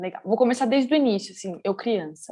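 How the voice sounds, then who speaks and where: A woman with an interior São Paulo accent speaks at a fairly quick pace with ordinary pitch variation. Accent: interior São Paulo (caipira). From Mato Grosso do Sul / interior of São Paulo, Brazil. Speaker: economist, investor relations professional. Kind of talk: podcast interview. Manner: fast, dynamic.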